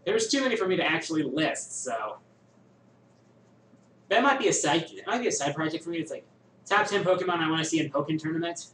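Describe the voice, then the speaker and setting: A man hosting a viewer question show, musing and thinking aloud with many pauses in casual chat. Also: fairly high pitch, animated, fairly bright tone, recorded from a distance, a little hiss or hum. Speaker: host answering viewer questions. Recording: echoey room, voice a bit off-mic, faint ambience.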